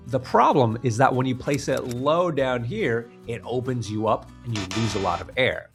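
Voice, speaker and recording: Man, vocal coach, instructional, emphatic, gravelly edge, forceful tone, faint music behind. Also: medium pitch, normal speed, hardly any pauses. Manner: emphatic step-by-step explaining. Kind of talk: instructional tutorial.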